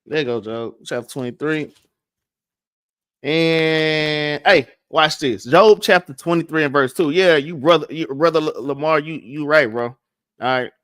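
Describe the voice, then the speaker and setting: Teaching a relaxed Bible class, this man has a Southern US accent and a slightly high, fairly bright, clean voice at a measured pace. He often stumbles and restarts, tacking "man" and "all right?" onto what he says. The recording is dry and studio quality.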